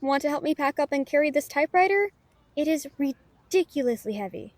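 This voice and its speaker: High-voiced, chatty young woman novelist played by an actress. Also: animated, fairly quick, darkish tone. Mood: playful, grateful. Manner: chatty, teasing, self-deprecating. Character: playful, self-doubting young woman novelist chatting with her friend. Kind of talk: intimate audio roleplay addressed to a listener.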